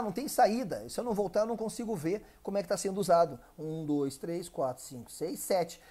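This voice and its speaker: A Brazilian man with a dark-toned voice on the high side leads an online class preparing students for an English exam. He goes step by step, peppers the viewer with rhetorical questions, and speaks with a Brazilian Portuguese accent through a dry throat.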